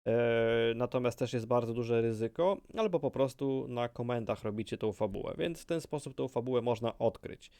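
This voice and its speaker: A man's voice: mid-range voice, moderate pace, few pauses, warm tone, smooth, no room sound, studio quality. A man making casual, off-the-cuff commentary as a gaming video creator.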